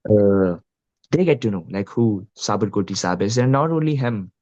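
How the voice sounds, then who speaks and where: Earnest young Punjabi-accented man, low voice. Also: expressive, normal speed, darkish tone, dull audio. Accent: Indian Punjabi. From Punjab, India. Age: young adult. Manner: earnest, fills with "you know" and "like". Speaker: guest musician. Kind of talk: casual interview talk.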